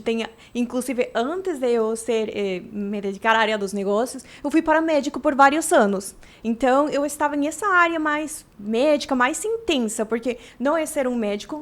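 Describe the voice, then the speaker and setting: A woman from Mexico talks with a Mexican Spanish accent, her first language being Spanish. Her voice sits high, and she tells her story in a reflective, conversational way as an interview guest. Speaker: podcast guest, business consultant.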